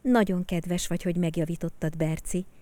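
A woman voicing a kind kindergarten teacher in a storybook, speaking softly and gently. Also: fairly low pitch, fairly even intonation, dry recording, natural voice. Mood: gentle. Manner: soft, gentle and warm-spoken.

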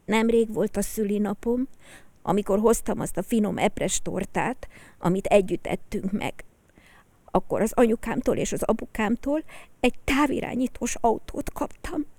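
A woman voicing a small kindergarten boy in a storybook, speaking in a high, earnest child's voice. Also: a little mellow, dry recording, close to an everyday voice. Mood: sad, tearful. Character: small kindergarten boy, sad then hopeful.

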